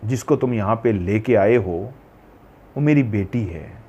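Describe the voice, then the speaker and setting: A man voicing a grieving old father who speaks hushed and slow in a horror story. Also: fairly low pitch, breathy edge, lo-fi sound. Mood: grave.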